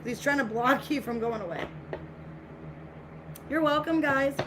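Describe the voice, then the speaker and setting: A woman's voice: high-pitched, unhurried. A woman giving a casual tarot reading to viewers, speaking in a repetitive, reassuring way, with her voice getting scratchy. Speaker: tarot reader.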